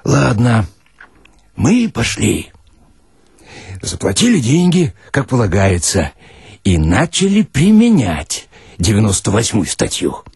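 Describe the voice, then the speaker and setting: A man giving a theatrical, expressive first-person reading of satirical short stories, with deliberate pauses and a husky voice. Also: on the low side, no echo, clean studio sound. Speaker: narrator, reader of literary stories.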